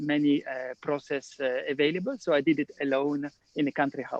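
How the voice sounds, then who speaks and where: At a moderate pace, this man talks in a fairly high-pitched voice. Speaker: pranic living teacher. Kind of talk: online talk with translation. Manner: halting.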